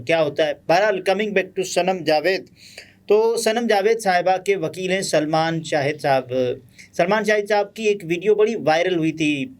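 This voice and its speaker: A man with a Pakistani Urdu accent giving conversational political news commentary, pausing often with fillers. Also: high-pitched. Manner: conversational, many pauses and fillers.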